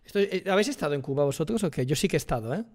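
A man's voice: on the high side, expressive, racing, a little mellow, faint music behind. A young man with a Spanish accent from Spain, streaming casual reaction commentary from a headset at home, interrupting with muttered asides and emphatic bursts. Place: small room at home.

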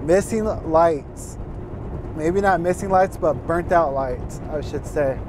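A young man driving a truck, earnestly giving casual advice to viewers and calling them guys. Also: a little high. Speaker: truck driver giving tips. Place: inside a semi-truck cab while driving. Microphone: fixed dash camera. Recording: road noise in a moving truck cab. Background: road and engine noise.

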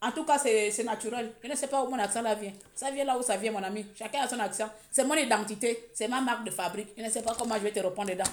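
A woman's voice: fairly high pitch, quick pace, hardly any pauses, roomy sound, slight background noise. A woman from Gabon on a live social media broadcast, talking in a heated, mocking way and repeating words for effect. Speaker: online commentator.

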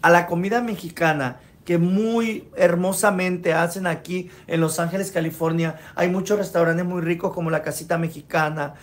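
A man's voice: high voice, steady tone, moderate pace, few pauses. A man hosting a gossip commentary show, indignant and emphatic. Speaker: show host.

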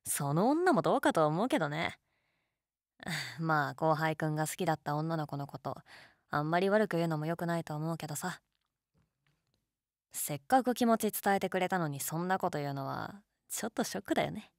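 Low-voiced, teasing college girl played by a woman. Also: animated, fairly quick, no echo, clean studio sound. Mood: sympathetic, gentle. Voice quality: low-toned. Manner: teasing, casual, gently coaxing. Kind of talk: intimate situation-voice role-play, casual chat.

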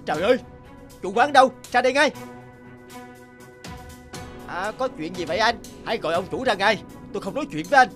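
Folk-tale cartoon townsperson, played by an actor: exclamatory, very animated delivery over light music. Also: medium pitch, brisk, long pauses, natural voice. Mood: indignant.

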